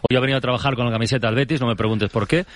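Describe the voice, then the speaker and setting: A man hosting a radio interview, quick and chatty, joking as he goes. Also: mid-range voice, fairly even intonation, a bit bright, dry recording. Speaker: radio host.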